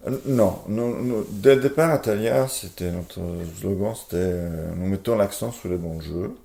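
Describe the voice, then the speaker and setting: A man's voice: on the low side, normal speed, creaky, dark tone, echoey room. A man with an Italian accent, a board game publisher talking casually in an interview, hesitant with many fillers and restarts.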